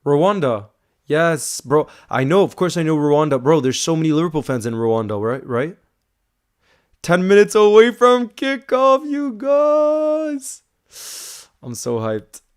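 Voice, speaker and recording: A young man hosting a live fan stream, chatting casually and excitedly with viewers, calling them bro and filling with you know. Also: fairly high pitch, takes it slowly, pauses often, clean tone. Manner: hyped, calls viewers bro, many you-knows. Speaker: livestream host reading fan chat. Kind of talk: casual watchalong chat.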